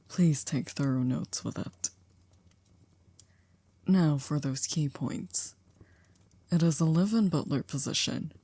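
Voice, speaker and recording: A woman playing a stern, dry chief maid in an ASMR roleplay, speaking in a formal, measured, reproachful way. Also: low-pitched, mellow, breathy edge, no echo, heavily acted.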